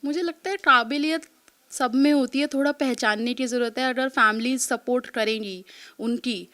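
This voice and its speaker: An exam topper from Delhi, a woman in her thirties, responds to a reporter's interview questions in a high voice with a fairly bright tone at normal speed. She's polite throughout, frequently calls the reporter ma'am, and mixes English words into her talk.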